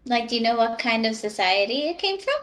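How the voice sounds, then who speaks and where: Girl playing a tabletop rpg, casual in-game chat, slightly high voice. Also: very animated, fairly quick, fairly bright tone.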